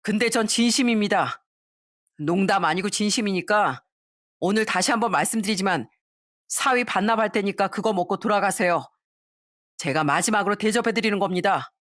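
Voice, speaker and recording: Woman reading as a firm, calm son-in-law. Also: medium pitch, no echo, clean studio sound, lightly acted. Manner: firm, measured. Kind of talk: storybook reading.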